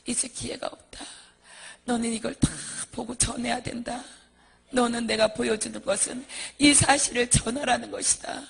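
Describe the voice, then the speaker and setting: A woman voicing Jesus as a stern man giving his final judgment in measured words. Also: fairly high pitch, steady tone, vocal fry, slightly rough, big-room sound, exaggerated voice. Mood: solemn. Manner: solemn, measured pronouncements.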